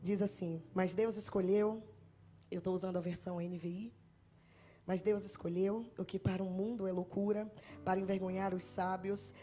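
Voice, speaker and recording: A woman's voice: mid-range voice, little pitch movement, normal speed, mellow, breathy edge. A woman from Bahia with a Bahian accent, a guest preacher in her thirties, nervously chatting and joking with the congregation into a handheld mic before her sermon. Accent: Bahian Portuguese. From Bahia, Brazil. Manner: chatty, self-deprecating, jokes with the congregation. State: nervous, trembling. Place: church sanctuary.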